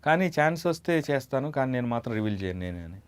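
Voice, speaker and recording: A man with a medium-pitched voice talks as an interview guest. He tells anecdotes conversationally, and the recording is close and dry. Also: big pitch swings, racing, smooth, no room sound. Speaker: mimicry artist and interview guest.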